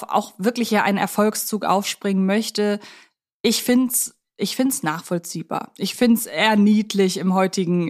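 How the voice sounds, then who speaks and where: A woman hosting a conversational film podcast, speaking in an articulate, wordy and analytical way. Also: medium pitch. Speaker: podcast host.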